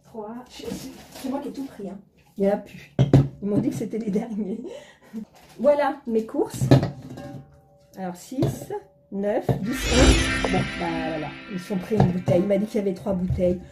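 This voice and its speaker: A woman vlogger showing her groceries in a casual video at home, chatty and teasing, counting items out loud. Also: mid-range voice, moderate pace, over loud music.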